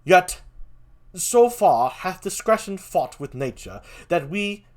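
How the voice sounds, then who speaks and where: A man voicing a solemn, stately king in a theatrical Shakespearean style, declaiming in measured phrases with swelling emphasis. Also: high-pitched, sing-song, a little mellow, heavily acted. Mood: solemn, regal.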